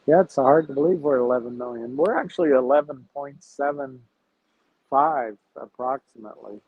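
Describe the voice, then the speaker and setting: A man hosting a casual livestream about investing, talking to his viewers in a measured, reflective way as he thinks aloud. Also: mid-range voice, breathy edge. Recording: tinny phone-like sound.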